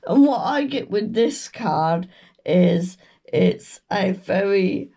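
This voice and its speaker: A woman with a British accent, croaky from a cold, giving a slow, meandering tarot reading with murmured chants. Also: medium pitch, expressive, mellow. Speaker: tarot reader. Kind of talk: casual tarot reading chat.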